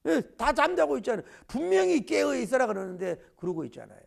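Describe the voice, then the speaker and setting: A male pastor delivers a sermon in an emphatic way, constantly throwing rhetorical questions at the congregation. His voice sits fairly high for a man and has a heavily gravelly, crackling texture. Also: sing-song, fast. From Gyeongsang region, Korea.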